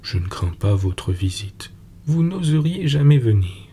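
Give me a calm, secretive fairy governess, as a man reads her. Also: medium pitch, a little slow, breathy edge, full character voice. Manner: tranquil, guarded, gently firm. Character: calm mysterious woman governess called a fairy.

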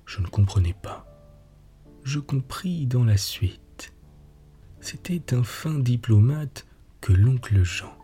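A man narrating a storybook tale in a hushed, husky voice, lifting his voice for quoted lines. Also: mid-range voice, lively intonation, takes it slowly, pauses often. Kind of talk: storybook reading. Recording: soft music behind the voice.

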